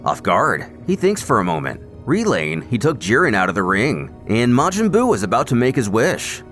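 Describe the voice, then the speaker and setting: A man giving dramatic scripted story narration with expressive storytelling emphasis. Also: medium pitch, moderate pace. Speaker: narrator of fan comic recaps. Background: background music.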